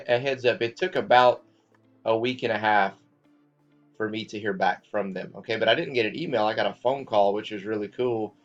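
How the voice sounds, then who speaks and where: A man's voice: fairly low pitch, muffled recording. A man hosting a finance channel, talking casually to his viewers with lots of fillers and checking in with "okay?" as he goes. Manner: loose and chatty, many fillers, checks in with "okay?". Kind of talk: casual market commentary to viewers.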